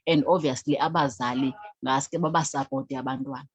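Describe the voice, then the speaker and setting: With an extremely low pitch, fairly even intonation and a fairly quick pace, this woman speaks over slight background noise. A Xhosa-accented founder of a youth organization from the Eastern Cape, South Africa, she's an interview guest mixing languages.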